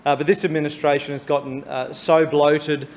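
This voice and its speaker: An Australian man argues in a political debate with a fairly high voice. He is critical but halting, restarting and repeating words. The large chamber rings with reverb around him. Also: level tone, a little mellow. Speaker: opposition councillor. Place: large wood-panelled council chamber. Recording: reverberant council hall.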